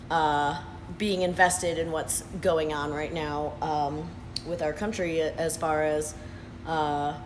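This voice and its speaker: A hoarse man in his thirties talks earnestly in a casual vlog, pausing often with "uh" and "um". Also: on the high side, a little hiss or hum. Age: 30s. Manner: earnest, unhurried, with frequent "uh" and "um". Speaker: vlogger. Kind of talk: casual talking-head update. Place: sitting at his workplace after hours.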